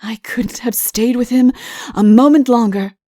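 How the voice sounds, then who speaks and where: A woman's voice: on the high side, a little slow, dark tone, no echo, studio quality. A woman voicing a sensible, deferential man who attends a vain prince in a storybook tale, speaking politely and levelly. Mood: amused.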